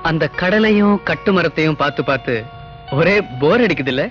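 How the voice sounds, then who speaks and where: A man's voice: a little high, animated, a little fast, fairly bright tone. An actor playing a young rich man tenderly coaxing his sweetheart. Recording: dull lo-fi film audio with guitar music.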